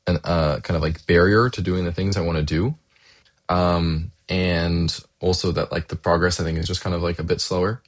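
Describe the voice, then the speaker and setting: A young man, a native English speaker, talking casually in a rambling way, with lots of fillers and restarts. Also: sits low. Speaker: vlogger. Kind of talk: casual monthly diary vlog. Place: Seoul, Korea.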